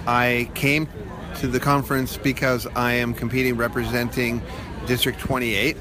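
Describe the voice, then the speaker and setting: A man's voice: mid-range voice, flat delivery, normal speed, a crowd in the background. Male contestant from Canada, plain hesitant delivery, noisy crowded convention floor. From Ontario, Canada. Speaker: speech contest competitor.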